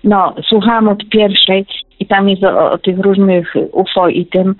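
Over a tinny phone line, a widowed caller near tears tells an emotional personal account, speaking emphatically, chattily, and with frequent repetition. Her mid-range voice holds a steady tone at a slightly slow pace, and the recording is dry.

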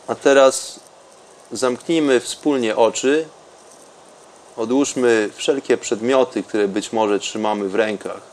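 A man speaking in a calm, unhurried, soothing way with long pauses, as a podcast host and meditation guide. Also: medium pitch, rough recording.

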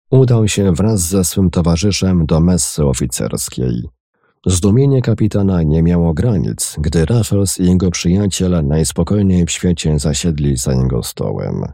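A man narrating an audiobook story in a slow, measured reading. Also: sits low, expressive, mellow, no room sound, clean studio sound.

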